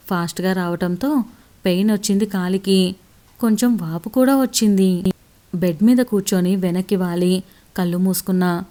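A woman's voice: lowish voice, warm tone. A woman narrating a romantic story in the first person, in an intimate, emotional storytelling manner.

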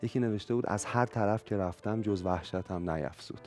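A man appearing as a guest on a television talk show, talking quickly and eagerly. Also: lowish voice, a little mellow. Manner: fast, eager talker. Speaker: guest psychologist.

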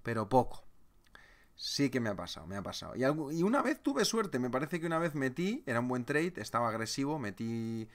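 A man from hosts a live trading webinar in a chatty, conversational way. He tells stories and answers viewers' comments as they come in, at a middling pitch for a man. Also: very animated, a little fast. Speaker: trading seminar presenter.

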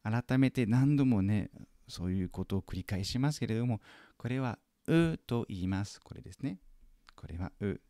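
In a French lesson video, a man patiently goes over a student's homework, repeating French phrases slowly and with care. His voice is lowish with a dark tone, recorded at studio quality with no room sound.

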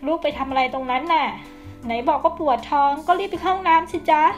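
A woman voicing a toy family's mother who scolds and coaxes her son gently. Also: sits high, quick pace, faint music behind, lightly acted. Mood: scolding.

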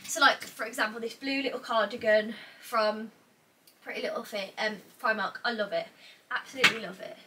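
A young British woman vlogging casually while sorting clothes in her bedroom, thinking out loud with lots of "like", a little congested from a cold, heard from a camera across the small room. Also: on the high side, fairly even intonation, brisk. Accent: British English. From England. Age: young adult. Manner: chatty, thinks out loud, frequent "like". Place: small cluttered bedroom wardrobe room indoors. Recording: distant mic, faint noise.

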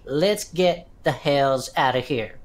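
A woman's voice: deep voice, takes it slowly. A woman voicing an easygoing male adventurer with slangy, laid-back talk, in an audio drama.

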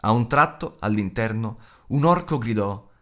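Low-voiced male audiobook narrator. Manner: expressive storytelling, measured phrasing.

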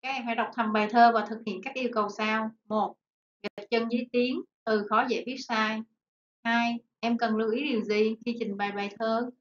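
A woman primary school teacher dictating to children, speaking deliberately and enunciating word by word. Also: a little high, fairly even intonation. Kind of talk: slow dictation-style lesson for children. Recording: echoey room, dull sound, faint noise.

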